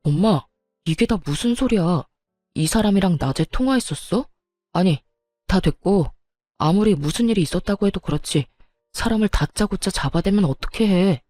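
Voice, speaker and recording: An exasperated young husband shouts at his own mother in a storybook drama, as a woman narrator plays him. The voice stays warm and mellow in a dry close recording. Faint music runs beneath. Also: mid-range voice, expressive, moderate pace, no room sound, lightly acted. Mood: confronting.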